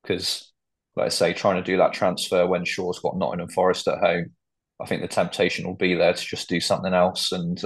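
A man's voice: low voice, breathy edge. A man co-hosting a casual football podcast, rambling with many restarts. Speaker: podcast co-host.

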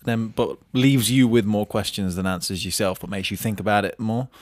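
A man co-hosting a podcast, chatting casually in an informal, blunt way with halting phrasing. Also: lowish voice, steady tone, dry recording, clean studio sound. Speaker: podcast co-host.

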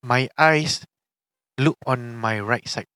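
Singaporean man telling a story in halting Singlish. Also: mid-range voice, pushed and bright, smooth, no echo. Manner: Singlish with lah particles and Malay words mixed in; halting, repeats and restarts phrases. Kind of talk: casual personal storytelling.

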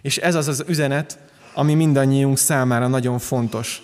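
A man delivering a sermon as pastor, calm and earnest, often restarting his phrases. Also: medium pitch, big-room sound.

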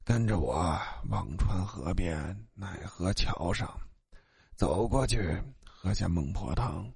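A man voicing a ghost dressed in white who calmly leads a dead taxi driver to the afterlife, speaking low, slow and hushed. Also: creaky, husky, no room sound, studio quality, exaggerated voice. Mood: grave.

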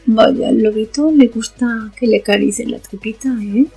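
A woman playing a seductive, hungry vampire in an audio drama, with a coquettish, predatory way of talking and a husky voice. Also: fairly high pitch, moderate pace, warm tone, soft background music, heavily acted. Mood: seductive, menacing. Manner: coquettish, purring. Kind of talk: audio fiction acting.

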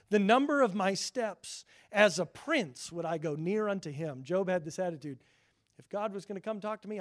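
A middle-aged man preaching a sermon in an earnest way, getting louder when he quotes scripture and quieter for asides; he has a high voice for a man. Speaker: pastor.

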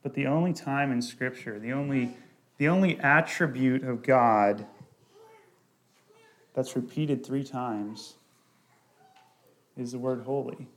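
A man preaching a sermon, working through a Bible passage in a deliberate way and lifting his voice on quoted scripture. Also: medium pitch.

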